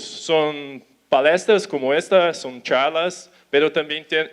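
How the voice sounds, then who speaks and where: A man with a Brazilian accent, a native Portuguese speaker who cannot roll his R, giving an informal conference talk haltingly, mixing in Portuguese words and checking that listeners follow. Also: mid-range voice, a bit bright, clear, resonant tone. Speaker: animal welfare consultant giving a talk.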